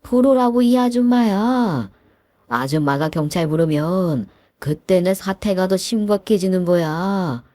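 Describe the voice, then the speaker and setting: A menacing young male thug, crude and bullying, as a woman acts him out. His lowered voice sneers and threatens, then flares into shouts. The sound is close and dry, like a storytelling booth. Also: measured pace, no echo, close to an everyday voice. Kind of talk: Korean audio story acting.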